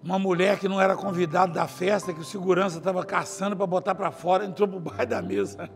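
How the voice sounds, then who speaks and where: A middle-aged preacher with a high, gravelly voice delivers a chatty, animated sermon, acting out scenes as he goes. His voice carries long reverb from a large church, and soft music plays beneath it. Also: fast. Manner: chatty and animated, acts out scenes, laughs often. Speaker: apostle, preacher. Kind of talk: conversational sermon.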